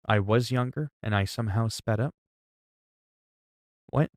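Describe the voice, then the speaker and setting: A man's voice: lowish voice, a little slow, no room sound, studio quality. A man in his forties chatting casually and profanely with stream viewers, rambling and explaining things with everyday examples. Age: 40s. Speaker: livestreamer.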